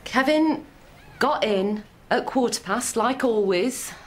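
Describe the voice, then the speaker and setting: Sharp-tongued middle-aged mother, animated. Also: fairly high pitch, takes it slowly, a little hiss or hum. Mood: defensive. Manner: sharp, scolding. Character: defensive, hard-tempered mother covering for her partner. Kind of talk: naturalistic TV drama acting.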